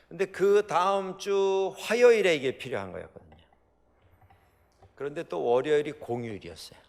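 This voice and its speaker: Gravelly Korean pastor preaching in a hall. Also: male voice, mid-range voice. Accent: Chungcheong Korean. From South Korea. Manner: storytelling with many fillers and rhetorical questions. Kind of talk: sermon. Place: church sanctuary. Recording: hall reverb.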